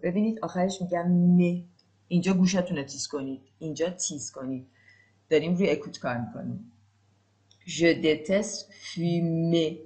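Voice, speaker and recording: A woman teaching a French lesson, saying French examples slowly and clearly, then explaining them quickly in Persian, sometimes spelling words out letter by letter. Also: fairly low pitch, fairly even intonation, mellow. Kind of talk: language lesson.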